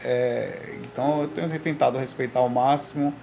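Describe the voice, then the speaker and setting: A man hosting a casual livestream from his home, telling slangy, animated stories to his viewers. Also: mid-range voice, moderate pace, vocal fry, background noise. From Recife, Brazil. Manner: slangy, animated storytelling with lots of "velho" and "cara". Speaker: livestream host. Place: home room.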